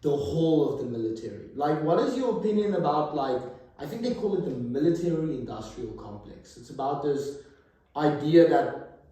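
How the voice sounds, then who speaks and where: A man's voice: a little high, moderate pace. A man hosting a podcast, chatting casually and asking his guest questions with plenty of fillers. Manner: relaxed, lots of fillers, asks questions. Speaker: podcast host. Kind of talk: casual chat. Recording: very echoey room, far from the mic.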